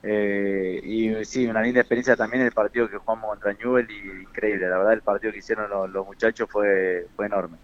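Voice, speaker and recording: A man, a football coach, answering radio interview questions in a halting way with repeated words. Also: lowish voice, flat delivery, lo-fi sound. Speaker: football coach and former player.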